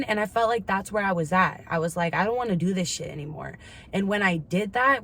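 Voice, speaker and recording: A woman in her twenties talking candidly in a casual confessional chat, slangy and swearing freely. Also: fairly low pitch. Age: 20s. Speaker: vlogger. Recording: clear background ambient noise.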